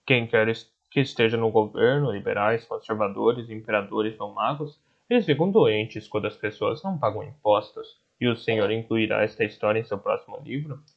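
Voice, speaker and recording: A man's voice: fairly low pitch, normal speed, vocal fry, hardly any pauses, dull audio. A man voicing a scornful, dry older doctor in an audiobook.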